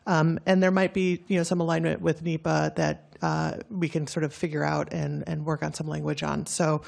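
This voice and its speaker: A woman's voice: low-pitched, flat delivery, normal speed, gravelly, a little mellow. A woman with a Midwestern accent testifying at a legislative hearing, casual and joking, with many fillers. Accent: Midwestern American. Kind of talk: public testimony.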